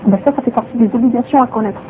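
A woman's voice: fairly high pitch, very fast, warm tone, a little hiss or hum. A woman teaching a religious lesson who repeats her phrases and asks rhetorical questions, on a dull lo-fi recording.

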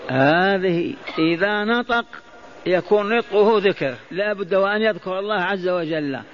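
A man with a high voice gives a Quran lesson, going over phrases again and asking his listeners questions. He chants the verses he quotes, and the recording sounds dull and lo-fi. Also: normal speed, a little hiss or hum. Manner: repeats phrases, stops to quiz listeners. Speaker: Quran teacher.

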